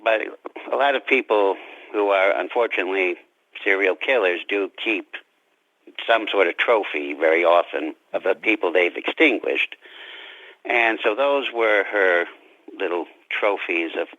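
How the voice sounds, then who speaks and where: A man speaking as a guest author in an interview, reflective and halting, often restarting his sentences. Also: low-pitched. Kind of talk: interview conversation. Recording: dull lo-fi radio-like sound.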